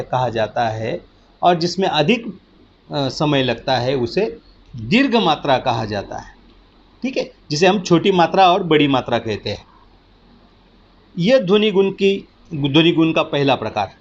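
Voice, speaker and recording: A man teaching a recorded lesson, explaining slowly and patiently and often checking that students have understood. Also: on the high side, sing-song, muffled recording, a little hiss or hum. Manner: slow, patient explaining with repeated check-ins. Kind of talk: recorded lecture.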